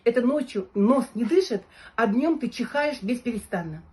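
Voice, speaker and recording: Woman in her fifties, mellow and slightly high, chatty testimonial. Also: lively intonation, moderate pace, a little hiss or hum. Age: 50s.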